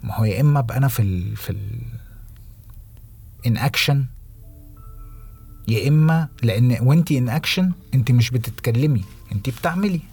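A young Egyptian man co-hosting a podcast, talking reflectively with halting restarts and English phrases mixed in. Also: mid-range voice, expressive, gravelly, a little mellow, slightly rough. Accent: Egyptian Arabic. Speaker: podcast co-host. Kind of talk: casual podcast conversation.

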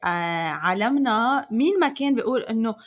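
A woman's voice: fairly high pitch, lively intonation, brisk. Lebanese woman hosting a podcast interview. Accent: Lebanese Arabic. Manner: mixes English words into Arabic. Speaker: interview host. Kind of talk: podcast interviewing with scripted intro and casual chat.

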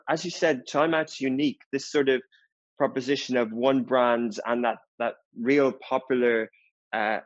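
A man's voice: mid-range voice, no echo. A male interviewer asks long, layered questions in a business interview. The recording is dry and a little dull, with a mid-range voice. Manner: long multi-part questions, brief affirmations.

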